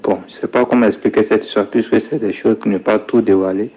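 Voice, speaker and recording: A young man telling a personal testimony in a soft-spoken way, dropping his voice low when he quotes his grandfather. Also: fairly even intonation, fast, husky. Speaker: storyteller recounting his life. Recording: dull lo-fi recording.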